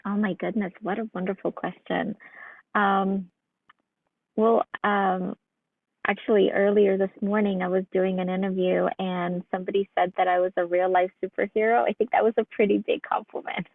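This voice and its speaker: A psychologist guest from Ukraine answers questions earnestly, pausing on fillers as she reflects. Her voice has a gravelly fry, and it comes through a tinny, phone-like line that sounds dry and close. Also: medium pitch, flat delivery, no room sound. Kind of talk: casual interview answers.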